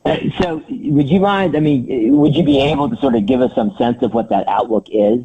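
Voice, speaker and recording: A man's voice: fairly high pitch, big pitch swings, moderate pace, creaky. A man asking polite, tentative questions as a financial analyst on a conference call over the telephone. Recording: noisy narrow phone line.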